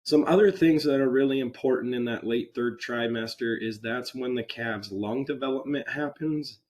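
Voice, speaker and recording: A man with a voice still hoarse from a cold, giving a webinar presentation over a computer microphone in a relaxed, unpolished way with frequent ums and uhs. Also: mid-range voice, moderate pace. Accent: American. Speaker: extension presenter. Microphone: computer microphone on a video call.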